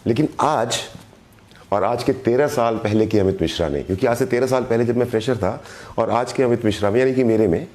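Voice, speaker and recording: Hoarse, low-voiced man speaking earnestly. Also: dark tone. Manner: earnest, deliberate, repeats phrases for emphasis. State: hoarse, sore throat. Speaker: direct selling team leader. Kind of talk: motivational live video address.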